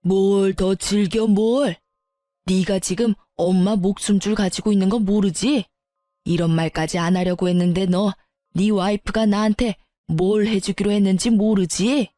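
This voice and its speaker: An enraged older father-in-law hurls insults at his grown son, as a woman voices him in a story reading. The voice is mellow and dark rather than bright, close and dry. Soft music plays underneath. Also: medium pitch, fairly even intonation, measured pace, no room sound, natural voice. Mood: stern. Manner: berating, shouting insults.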